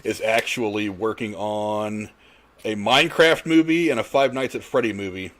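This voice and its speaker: A man's voice: lowish voice, normal speed, a bit bright. A man hosting and moderating a casual group discussion. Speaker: podcast host.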